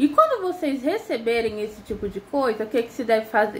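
A woman at a moderate pace with ordinary pitch variation, light background noise behind her. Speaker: vlogger. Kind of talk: casual vlog chat. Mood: serious, somewhat indignant. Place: home room. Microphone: phone near.

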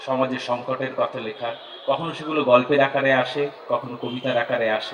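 A man speaks with fairly even intonation. Noticeable background noise and audible room echo are present. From West Bengal, Basirhat (North 24 Parganas). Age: young. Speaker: writer and journalist. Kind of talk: acceptance speech. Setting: stage with audience.

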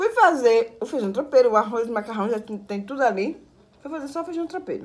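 A woman with a Bahian accent talks at a fairly quick pace in an animated tone, with a fairly high pitch and lively intonation. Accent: Bahian Brazilian Portuguese. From Bahia, Brazil. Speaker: mukbang vlogger. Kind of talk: casual vlog talk while cooking and eating. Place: home room. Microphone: phone near.

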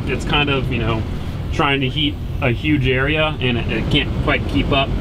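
A man at a moderate pace over noticeable background noise. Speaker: vlogger. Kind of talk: casual vlog chat. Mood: relaxed, slightly wry. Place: bus. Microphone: phone near.

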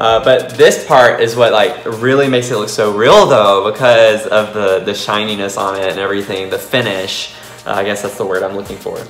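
Over faint background music and with audible room echo, a man talks at a moderate pace. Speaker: vlogger. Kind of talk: casual vlog chat. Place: home room. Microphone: phone near.

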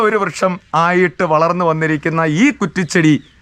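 This man's voice has a bright, sharp tone. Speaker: YouTube vlogger. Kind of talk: vlog presentation with on-site interview. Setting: outdoors, in a house yard.

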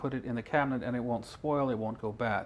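Fairly quick pace and ordinary pitch variation in a man's speech. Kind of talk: cooking tutorial. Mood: relaxed, friendly. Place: kitchen. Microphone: lapel.

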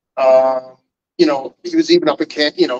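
Fairly high pitch and ordinary pitch variation in a man's voice, a normal speaking voice. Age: 50s. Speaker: martial arts instructor. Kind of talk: interview.

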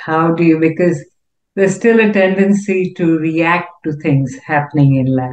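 Speaking at a fairly slow pace, a woman with a fairly low pitch uses ordinary pitch variation in a room with audible echo. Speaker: audience member asking questions; audience member. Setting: video call. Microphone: video call.

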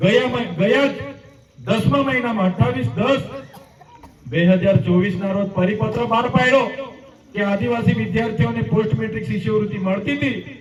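With noticeable background noise and audible room echo, a man speaks in a high pitch with lively intonation. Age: 30s. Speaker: politician. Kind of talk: campaign rally speech. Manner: loud, fiery.

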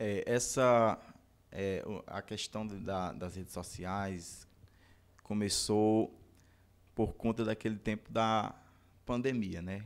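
Very slowly and with long, frequent pauses, a man speaks at a fairly low pitch with fairly even intonation. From Tabuleiro do Norte, Ceará, Brazil; Ceará, Brazil. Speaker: missionary preacher. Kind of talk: casual interview. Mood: calm, earnest. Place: studio. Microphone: studio mic.

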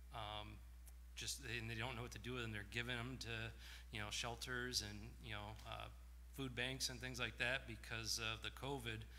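With vocal fry and monotone, flat intonation, the speaker goes at a moderate pace over light background noise. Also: man, very deep, low pitch for a man. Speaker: lay preacher. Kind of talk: sermon. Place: church. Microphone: podium.

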